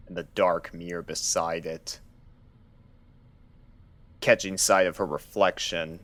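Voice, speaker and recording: Male narrator for scripted fiction, low-pitched voice, storytelling delivery. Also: a bit bright.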